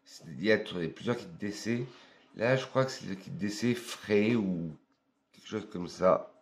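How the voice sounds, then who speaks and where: A man from France reviewing perfumes in a casual vlog, talking in an unhurried, hesitant way and thinking aloud with many pauses. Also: fairly low pitch.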